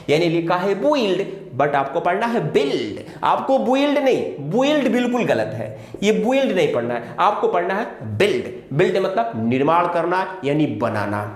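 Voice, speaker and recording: Lively, repetitive teacher in an echoey room. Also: mid-range voice. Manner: repeats points over and over, asks and answers own questions. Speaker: English teacher. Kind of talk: explaining spelling rules in a video lesson.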